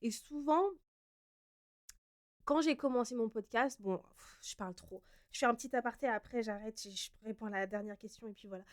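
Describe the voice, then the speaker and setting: A young woman from France talks through listener questions on her podcast. Her voice sits a little high and sounds smooth and clear. She speaks in a loose, chatty way, often hesitating and correcting herself mid-sentence. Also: moderate pace. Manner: chatty, hesitant, many fillers and self-corrections. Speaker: podcast host. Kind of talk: casual solo Q&A podcast.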